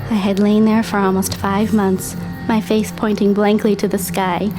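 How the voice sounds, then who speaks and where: A woman's voice: medium pitch, little pitch movement, moderate pace, close to an everyday voice, rough recording. A woman playing a dead teenage girl who narrates an audio drama in a wry, confiding, conversational way. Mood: wistful, resigned. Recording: music under the voice.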